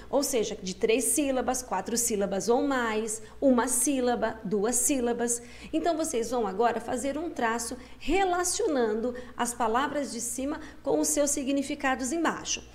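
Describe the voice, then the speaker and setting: A woman's voice: high-pitched, expressive. Patient woman teaching children. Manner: patient, coaxing, slows down to spell out syllables. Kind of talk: primary school lesson.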